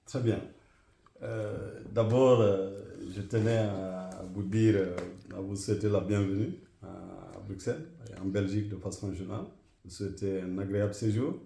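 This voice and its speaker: A middle-aged man from Guinea, answering interview questions in a measured, formal way with frequent hesitations. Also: lowish voice, fairly even intonation, creaky, warm tone, echoey room. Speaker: interview guest, association president.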